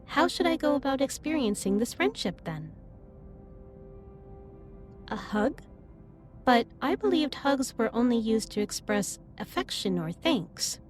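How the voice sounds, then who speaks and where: Woman doing a sweet earnest alien lady captain, kinda formal, highish lilting voice, soft music behind. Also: very animated, measured pace, pauses often. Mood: curious, warm. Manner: formal, precise, slightly stilted wording. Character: gentle, earnest female alien starship captain. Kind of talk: scripted roleplay audio, addressed to the listener.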